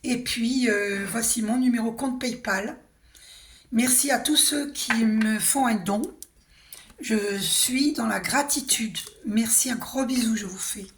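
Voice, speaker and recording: A hoarse woman giving a casual, reassuring spiritual card reading, often clearing her throat and asking "d'accord?". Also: on the high side, slow pace. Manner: chatty, reassuring, tag questions like hein and d'accord. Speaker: tarot and oracle card reader.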